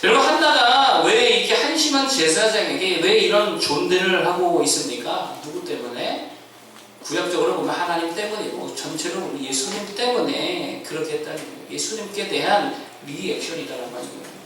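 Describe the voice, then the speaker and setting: A man's voice: high voice, lively intonation, fairly quick, very echoey, far from the mic, noisy background. A male pastor preaching a sermon to his congregation, asking them questions and answering them himself. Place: church sanctuary.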